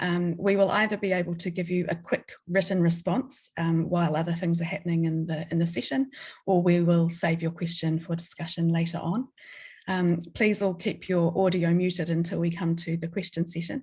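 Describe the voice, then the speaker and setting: Somewhat breathy and in a New Zealand accent, the voice keeps a moderate pace with fairly even intonation. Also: woman, fairly low pitch for a woman. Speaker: workshop host, communications lead. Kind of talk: online workshop presentation.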